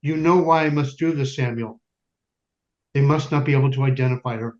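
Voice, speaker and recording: An actor playing a stern yet tender, grieving Jewish father in a wartime ghetto, speaking in solemn, deliberate stage monologue with weighty pauses. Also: mid-range voice, a little mellow, close to an everyday voice. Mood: grim, resolute. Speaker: stage actor in community theater. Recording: dull lo-fi recording, music underneath.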